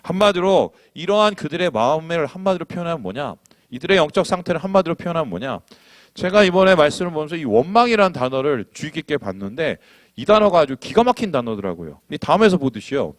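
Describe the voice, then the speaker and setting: A male pastor delivering a sermon, his pitch a bit high and swinging widely. He questions the congregation and acts out what people say. The voice sounds dry and close. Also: fast talker, no room sound. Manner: animated, acts out quotes, asks the congregation questions.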